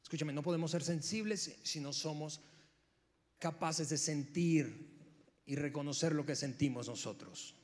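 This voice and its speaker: A man's voice: fairly high pitch, normal speed. A man with a Mexican accent preaching a sermon, emphatic, repeating key words and speaking straight to the listener. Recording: long hall reverb.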